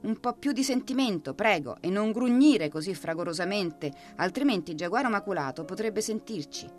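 A woman's voice: medium pitch, animated, moderate pace, soft background music, lightly acted. A woman voicing an eager, chatty young male hedgehog in a storybook reading.

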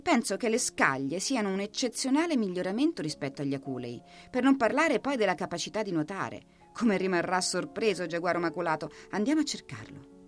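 A woman's voice: lowish voice, big pitch swings, brisk, soft background music. A woman doing an eager prickly hedgehog. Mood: eager, chatty.

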